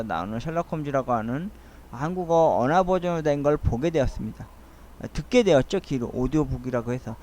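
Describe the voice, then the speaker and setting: A middle-aged man with a slightly high-set voice talks to himself in an essay-like ramble. He pauses often and sounds earnest and a little wistful, as the host of a solo monologue. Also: darkish tone. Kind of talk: rambling soliloquy, audio essay.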